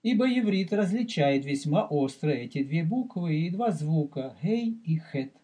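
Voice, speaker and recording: A man teaching as a rabbi in a recorded religious lecture. He speaks deliberately, addresses the listener directly, and explains and repeats terms for emphasis. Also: on the high side, lively intonation, dark tone, slightly rough.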